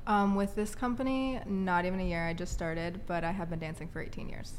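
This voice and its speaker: A nineteen-year-old woman answering a podcast host's questions in a relaxed, confident, playful way. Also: fairly low pitch, a little fast, a little hiss or hum. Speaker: panel guest. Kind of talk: casual interview answers.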